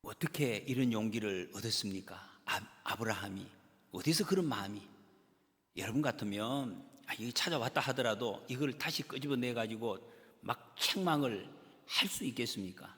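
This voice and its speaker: A middle-aged male pastor preaching a sermon, asking his congregation questions and swinging between loud emphasis and hushed asides. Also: mid-range voice, lively intonation, normal speed. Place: church sanctuary. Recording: long hall reverb.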